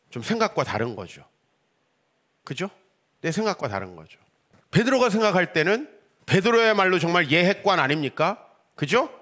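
A middle-aged man preaching a Sunday sermon as pastor, animated and full of rhetorical questions, acting out the voices he quotes. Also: high-pitched.

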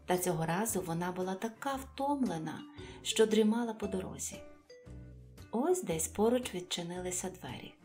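A woman's voice: mid-range voice, animated, normal speed, a little mellow. Woman telling children's fairy tale over music. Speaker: storyteller.

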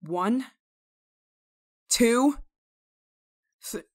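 A woman playing a stern but kind-hearted village nun in a dramatic roleplay monologue, scolding and teasing with theatrical pauses. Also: fairly high pitch, lively intonation, full character voice. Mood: stern, confronting.

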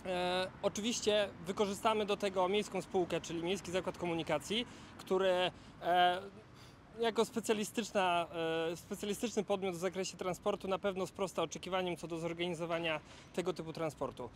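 Man w/ a high voice doing a formal press statement outside, steady, bit of traffic noise. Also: brisk. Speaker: council candidate. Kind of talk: prepared press conference statement. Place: outdoors in a city.

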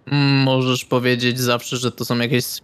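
A man's voice: medium pitch, level tone, normal speed, clear, resonant tone. A man playing in a tabletop role-playing game, in casual in-character banter.

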